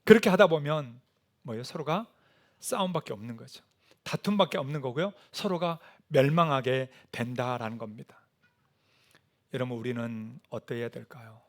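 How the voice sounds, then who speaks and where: A male pastor preaching a sermon, animated, often putting questions to the congregation and sometimes dropping to a soft whisper for emphasis. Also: mid-range voice, moderate pace.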